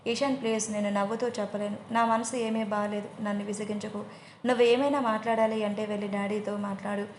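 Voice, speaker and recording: A woman's voice: mid-range voice, level tone, a little fast, darkish tone, echoey room, slight background noise, close to an everyday voice. A woman doing a jealous hot-tempered young woman. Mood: irritated. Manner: snappy, dramatic.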